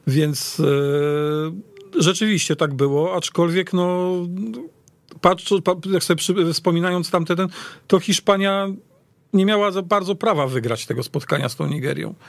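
A man's voice: fairly high pitch, measured pace, gravelly, no echo. A man discussing football casually as a guest, often stammering and restarting his phrases. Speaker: radio podcast guest commentator.

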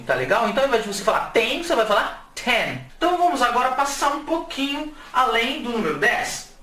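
A man's voice: very high voice, pushed and bright. A man from Brazil teaching English numbers in a casual, jokey video lesson. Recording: echoey room, mic at a distance, faint hiss.

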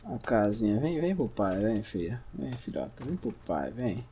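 A man from Brazil giving casual gameplay commentary, chatting to himself and his viewers, sometimes breaking into sudden shouts. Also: fairly low pitch, sing-song, unhurried, slight background noise. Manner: chatty, talks to himself and the audience, bursts into shouts at scares. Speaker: gameplay streamer.

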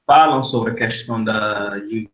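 Man on a choppy, cutting-out video call. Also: lowish voice. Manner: halting, searching for words. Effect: choppy audio cutting out over a bad connection. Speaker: panelist answering audience questions. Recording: echoey, dull, choppy call audio.

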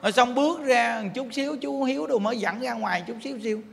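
A Buddhist monk with a Southern Vietnamese accent, telling a story in a lively, animated sermon. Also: male voice, very high-pitched, fast, vocal fry. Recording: reverberant hall, faint noise.

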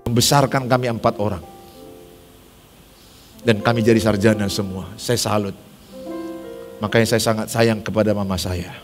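A male pastor, preaching a lively, joking sermon that acts out the people he talks about. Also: lowish voice, normal speed, pauses often. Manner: animated, joking, mimics congregants. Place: large church hall. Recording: long hall reverb with faint music.

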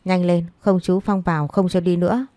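A woman voicing a cheeky, pushy young man in his twenties who needles everyone in quick banter in a storybook. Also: on the low side, level tone, mellow, no room sound, close to an everyday voice. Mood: teasing. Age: 20s.

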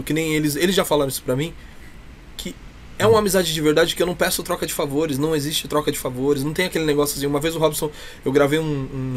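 A clown performer with a Brazilian accent, pitched fairly high, chats casually and effusively as an interview guest. He's indoors in a small room with a cloth backdrop, and a slight background noise can be heard.

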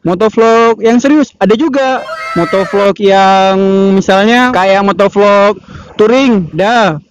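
A young male motovlogger rambles playfully while riding his motorcycle outdoors, joking and poking fun at himself in a comic chat. His voice sits high and he takes things slowly. The helmet mic sounds muffled, with wind noise.

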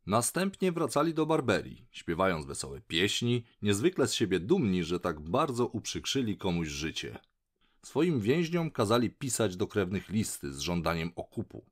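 A man's voice: fairly low pitch, moderate pace. A man narrating a children's audiobook, telling the story expressively. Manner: animated, voices characters.

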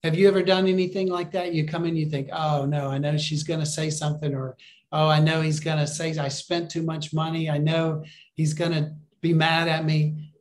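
Pastor, male, fairly high voice, earnest and encouraging, preaching on a webcam. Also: little pitch movement, moderate pace. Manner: earnest, encouraging, asks the listeners questions. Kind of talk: sermon over a video call. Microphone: video call webcam.

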